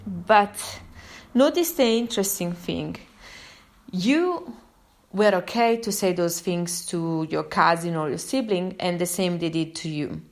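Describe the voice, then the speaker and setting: A woman's voice: lowish voice, unhurried. Chatty Italian-accented woman. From Italy. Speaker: therapist and podcast host. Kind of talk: casual live monologue.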